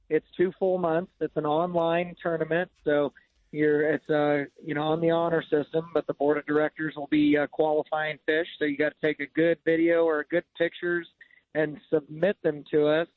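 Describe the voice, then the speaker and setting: A man's voice: on the high side, no echo. A fishing guide calling in from a boat for a radio interview, talking in a plain, easygoing way with many fillers while his phone line keeps breaking up. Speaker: fishing guide and association president.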